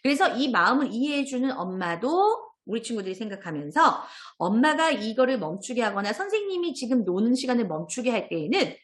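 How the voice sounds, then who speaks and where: Woman trainer on a video call, super animated, keeps acting out questions for little kids, voice on the higher side. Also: fairly quick, few pauses. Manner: animated, acts out sing-song questions to children. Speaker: parenting and early childhood education trainer. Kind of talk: online teacher training lecture.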